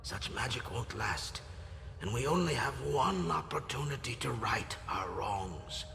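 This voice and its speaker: An actor playing a grave, solemn old tribal elder in a game, with a gravelly, breathy voice and weighty delivery. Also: male voice, mid-range voice, lively intonation, bright, forceful tone, slight background noise, heavily acted. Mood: grave urging. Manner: slow, weighty, portentous. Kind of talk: solemn dramatic game cutscene monologue.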